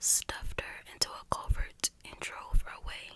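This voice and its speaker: A woman whispering at a fairly slow pace. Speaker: true crime ASMR youtuber. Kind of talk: true crime storytelling narration in ASMR style. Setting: home recording with street noise in background. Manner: whispered, soft-spoken.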